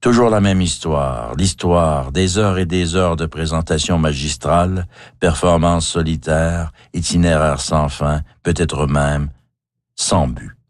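An older man with a Québécois accent narrates his memoir with wry, measured self-mockery. His voice is very deep. It sounds close and dry, with no room around it. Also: fairly even intonation, dry recording. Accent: Québécois French. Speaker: author narrating his own life.

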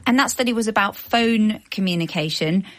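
A woman podcast host presenting research figures in a clear, measured, scripted way. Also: mid-range voice, a bit bright, dry recording.

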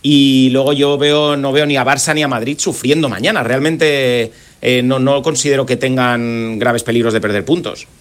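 A man's voice: mid-range voice, steady tone, moderate pace. A man on a sports radio panel giving assertive opinions.

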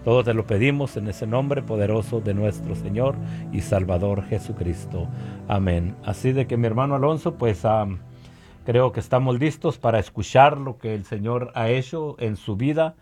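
A man's voice: mid-range voice, moderate pace, over music. A man hosting a Christian radio broadcast, speaking devotionally and punctuating his sentences with amen. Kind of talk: devotional radio introduction with prayer.

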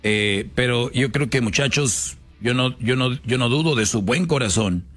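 A man's voice: medium pitch, moderate pace, fairly bright tone, faint music behind. A man with a Mexican accent giving casual commentary as a show host, slangy and lecturing, with hesitant restarts.

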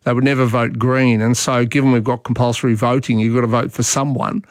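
A man with an Australian accent hosting talkback radio, briskly taking callers and giving his opinions from a studio. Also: mid-range voice, flat delivery, dry recording. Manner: brisk, opinionated, takes calls.

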